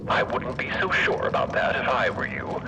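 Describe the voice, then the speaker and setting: A man's voice: mid-range voice, lively intonation, normal speed, heavy background noise, natural voice. An actor playing a stern, formal mechanical man, dry and skeptical, in a fiction podcast. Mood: wary, probing. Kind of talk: acted fiction podcast dialogue.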